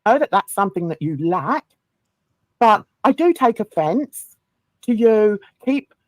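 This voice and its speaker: A woman's voice: medium pitch, sing-song, measured pace, dry recording. A woman in a heated live stream debate, defensively insisting on explaining herself.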